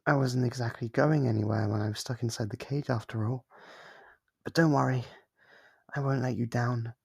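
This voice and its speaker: A breathy, gravelly demon, acted by a man in an ASMR roleplay, recorded close and dry. He is lonely and clingy, speaking with tender, obsessive devotion and hesitant, coaxing intimacy. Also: mid-range voice, fairly even intonation, normal speed, a little mellow, dry recording. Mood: devoted, tender.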